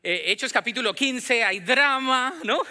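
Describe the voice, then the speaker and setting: A man preaches in Latin American Spanish with a strikingly high voice. His tone is very bright and forceful. He teaches scripture conversationally, in an animated manner, often turning to his listeners with questions. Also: takes it slowly. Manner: animated, acts out imagined dialogue, questions the congregation. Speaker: pastor preaching. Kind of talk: conversational Bible-teaching sermon.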